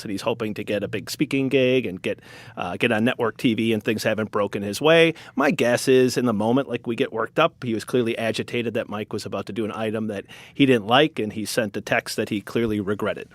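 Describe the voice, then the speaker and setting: A man with a Wisconsin accent talks as an interview guest, his pitch rising and falling a lot. He laughs easily, and the sound is close and dry. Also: no echo. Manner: animated, laughs readily. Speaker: guest, news editor. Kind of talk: interview talk.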